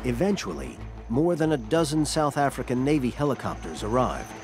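A man narrating a documentary in a measured, dramatic scripted voice-over. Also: mid-range voice, expressive. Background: loud music score.

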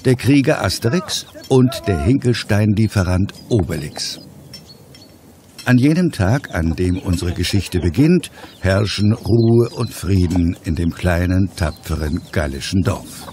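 A man narrating a comic audio play as a storyteller, in a measured, scripted manner. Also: low voice, animated, darkish tone, slight background noise.

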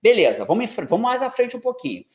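A man's voice: very high-pitched, wildly swooping pitch, fast, vocal fry. A man in his forties with a Brazilian Portuguese accent, a coach giving a live online talk, joking and slangy, who keeps checking in with his listeners. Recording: echoey room.

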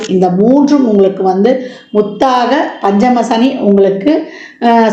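A woman astrologer explaining a yearly forecast in a steady, explanatory way, listing one point after another with many fillers. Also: a little high, reverberant, dull audio. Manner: explanatory, lists items with frequent fillers.

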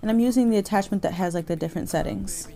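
A woman's voice: mid-range voice, racing, warm tone. A young woman vlogging and narrating her cleaning day, talking casually and candidly. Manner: tired, candid, chatty. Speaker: vlogger, mom. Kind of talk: casual vlog chat and voice-over. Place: car interior.

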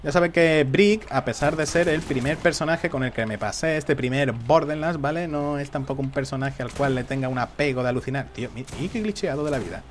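A man's voice: mid-range voice, brisk, few pauses, a little hiss or hum. A man giving live, jokey commentary on a shooter game and taunting the enemies. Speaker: gameplay commentator.

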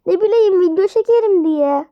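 A woman acting out a spooky play scene, excitable, stammering and shrieking. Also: very high voice, moderate pace, lo-fi sound.

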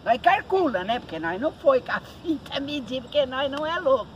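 Lively woman storyteller, noisy recording. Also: high voice, a little fast. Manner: lively, colloquial rural speech, mimics sounds. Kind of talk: oral folk storytelling.

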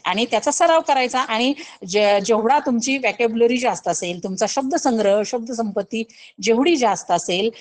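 Woman teacher with a Marathi accent, slightly high. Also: poor audio. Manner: explains slowly, asks pupils rhetorical questions, imitates animal sounds. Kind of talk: scholarship exam coaching lesson. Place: recorded online lesson.

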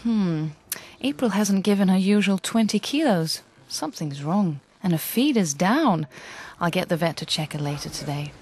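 An actress voicing a dairy farmer's wife in a scripted advertisement voice-over, calm and matter-of-fact. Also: female voice, on the low side, moderate pace, lightly acted. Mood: content. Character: proud dairy farmer's wife, practical and content. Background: music.

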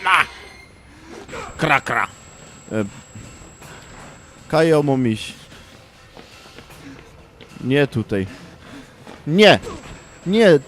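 A young man commentating a horror game, shouting in panic and then grumbling in frustration. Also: mid-range voice, extremely slow, long pauses, a little hiss or hum. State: frustrated and agitated. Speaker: gaming channel host.

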